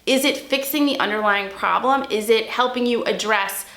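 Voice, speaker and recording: A woman's voice: a little high, moderate pace, a bit bright, roomy sound. A young adult woman, a recovery mentor, giving blunt, emphatic tough-love advice straight to camera. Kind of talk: direct-to-camera advice vlog.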